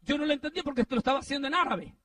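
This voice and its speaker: A man preaching, telling a story in a sermon, animated and rising to shouts at the peaks. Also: racing, distant mic. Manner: animated, swings from low asides to shouted climaxes.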